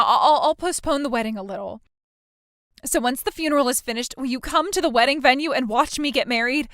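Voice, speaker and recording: A woman's voice: high voice, a bit bright, no room sound, clean studio sound. A young woman playing a self-absorbed, entitled bride who whines and stammers in a scripted drama. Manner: whiny, stammering, self-pitying.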